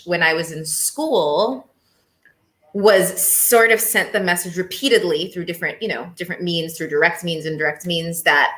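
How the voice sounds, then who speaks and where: Young woman guest, lowish and bright, animated, candid, echoey room. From Cape Verde and Mozambique heritage, raised in Ethiopia. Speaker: empowerment coach guest. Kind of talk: casual interview conversation.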